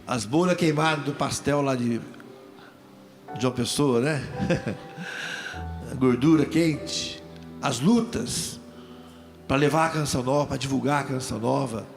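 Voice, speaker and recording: A man's voice: medium pitch, slow, long pauses, over music. A man in his sixties with a Brazilian Portuguese accent, preaching a joking, emphatic testimony from a stage as a deacon. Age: 60s. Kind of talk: humorous testimony sermon. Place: stage at a religious event.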